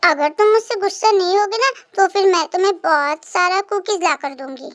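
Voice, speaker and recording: Caring young woman, coaxing, mildly scolding, storybook voice, very high pitch, a woman reading. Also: brisk, a bit bright.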